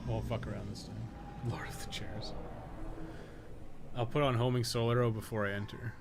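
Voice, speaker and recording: A man's voice: fairly low pitch, level tone, moderate pace, gravelly, heavy background noise. A man doing casual, sweary live gameplay commentary, often muttering to himself as he plays. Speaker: game streamer, podcast host.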